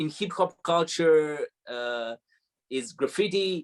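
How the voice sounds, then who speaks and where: A man with a Serbian accent speaks at a very slow pace. His pitch is fairly high. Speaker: street artist. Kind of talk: online class Q&A. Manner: hesitant.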